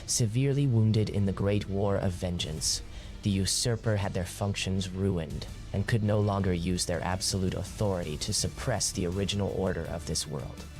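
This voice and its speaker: A solemn male storyteller for a fantasy video game. His voice sits fairly low and delivers formal scripted narration over soft music. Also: normal speed.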